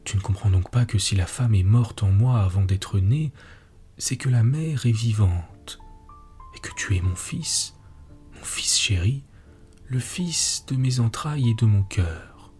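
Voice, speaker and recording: A man's voice: lowish voice, lively intonation, measured pace, soft background music. Man whispering as a tender forgiving woman. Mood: fervent. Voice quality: hushed, breathy whisper. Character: tender forgiving woman, devoted, soft-spoken.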